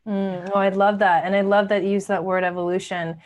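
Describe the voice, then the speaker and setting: A woman's voice: mid-range voice, level tone, a little fast, muffled recording. A woman from Argentina hosting a casual interview over a video call, hesitant and often restarting her sentences. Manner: hesitant, with many restarts and fillers. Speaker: host.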